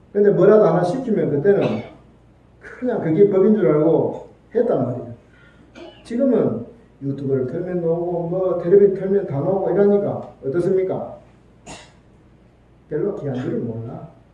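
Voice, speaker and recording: With a Gyeongsang accent and a high pitch, a man speaks at a moderate pace with lively intonation and long, frequent pauses, and audible room echo surrounds him. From South Korea, Sancheong, South Gyeongsang. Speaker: Buddhist monk. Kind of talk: dharma talk. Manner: conversational.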